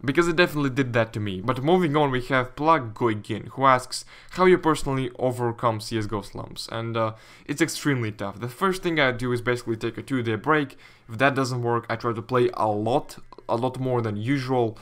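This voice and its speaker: A man's voice: mid-range voice, fairly quick, few pauses, fairly bright tone. A young man with a Latvian accent casually commentating, reading viewer questions and answering them as a gaming YouTuber.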